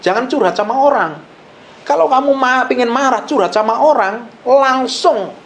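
A male pastor preaching a sermon in an animated way, swinging between loud and hushed and acting out the people he quotes. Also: very high voice, a little fast.

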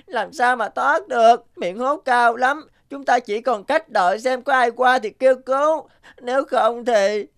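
A woman voicing a timid, defeatist white goat in an animated fable, whining and complaining. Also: a little high, measured pace. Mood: despairing. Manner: whiny, complaining.

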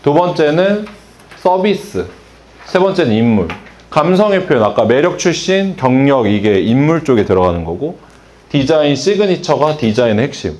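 A man's voice: mid-range voice, a little mellow. A middle-aged man giving a salon business workshop, asking the audience questions and acting out exchanges with customers. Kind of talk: workshop lecture.

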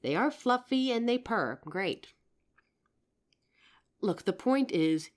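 A woman acts out a protective, affectionate girlfriend in an intimate audio roleplay. She takes her time over the words, and her pitch moves in lively swings. The manner is tender, earnest and a little teasing. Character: loving, protective girlfriend reassuring her partner. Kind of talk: intimate comfort roleplay, ASMR acting.

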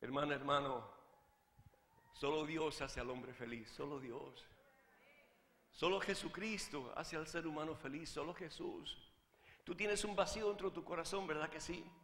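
A man preaching as a Catholic priest, swinging from hushed asides to shouted fervor. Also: fairly high pitch, normal speed, echoey room, big-room sound. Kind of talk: sermon with a joke.

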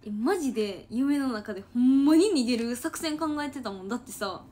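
A woman's voice: a little high, a little fast, mellow, slight background noise. Giggly Kansai woman, sleepy late-night stream. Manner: chatty, giggly, loose and rambling. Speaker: idol trainee livestreaming. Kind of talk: casual late-night livestream chat reading comments.

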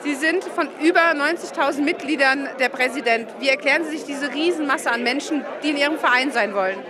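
High-voiced woman reporter in crowd. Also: brisk. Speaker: reporter, show host. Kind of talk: upbeat on-location interviewing. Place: busy hall indoors. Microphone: handheld reporter mic. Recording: busy crowd noise behind.

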